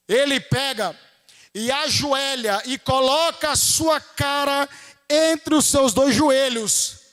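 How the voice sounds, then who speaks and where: Brazilian male preacher, very high voice, chatty church sermon that builds to shouting. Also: long reverb tail. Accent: Brazilian Portuguese. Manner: conversational preaching, rising to fervent shouts.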